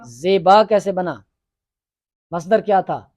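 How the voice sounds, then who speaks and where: A male teacher leads a classroom grammar lesson. He fires short questions at his students and makes them repeat forms back to him. His voice sits a little high and sounds close and dry, with no room echo. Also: a little mellow. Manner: drills students with quick questions and repetitions.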